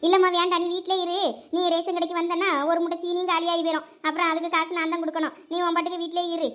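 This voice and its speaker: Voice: very high voice, completely flat delivery, racing, a bit bright. A voice actor playing a scolding, fed-up village mother-in-law in a cartoon, with a Thoothukudi Tamil accent. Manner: scolding, nagging.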